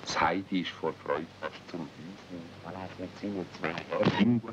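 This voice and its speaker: A man's voice: sits low, a little slow. A man with a Swiss accent narrating a children's radio play as a storyteller. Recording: dull, faintly noisy old cassette recording.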